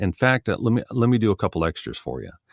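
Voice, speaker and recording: A man with an American accent talks with lively intonation and some vocal fry. The sound is dry and close with no echo, on a very clean recording with a silent background. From Midwestern US. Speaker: voice actor. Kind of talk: interview answer.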